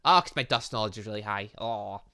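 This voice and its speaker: A man's voice: fairly low pitch, fairly quick, bright, forceful tone. A man hosting a gaming video, reading a visual novel aloud with casual joking asides and occasional stumbles over the words.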